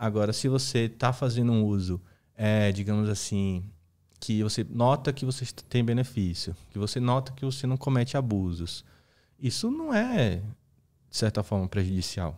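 Against a quiet background, a man is speaking. His pace is moderate and his pitch variation ordinary. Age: young. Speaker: neurologist; guest. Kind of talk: casual interview; interview answer. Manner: halting. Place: studio. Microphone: studio mic.

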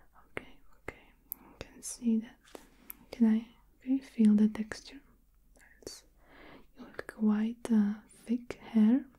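Soft-spoken and somewhat breathy, a woman talks in a dark, mellow tone with monotone, flat intonation. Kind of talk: soft-spoken roleplay chat. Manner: soft-spoken, calm and close. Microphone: studio mic.

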